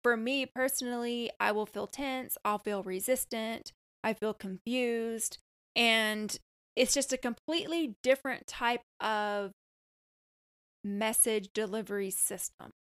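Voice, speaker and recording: A woman hosting a podcast on energy healing, speaking in a calm, soothing, reassuring manner. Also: a little high, unhurried, clear, resonant tone, no echo, studio quality. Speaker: podcast host and energy healer. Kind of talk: podcast talk and guided healing.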